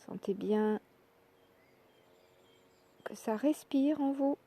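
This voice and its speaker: A woman leading a guided yoga relaxation, speaking calmly and in measured short phrases with pauses. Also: high-pitched. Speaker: yoga nidra relaxation instructor. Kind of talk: guided meditation, soft instructional narration.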